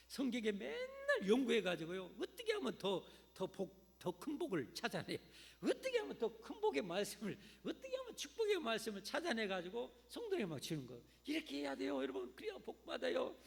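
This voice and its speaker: A man's voice: sits high, gravelly. A man preaching a sermon as pastor, often calling out directly to his congregation. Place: church sanctuary. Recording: echoey church hall.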